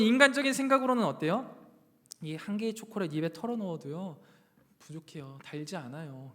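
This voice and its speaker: A man with a fairly high voice preaches to young adults, speaking in a long, ringing church reverb. He tells a homely family story in a storyteller's way and slips into his kids' voices now and then. He is a pastor in his thirties. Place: church sanctuary.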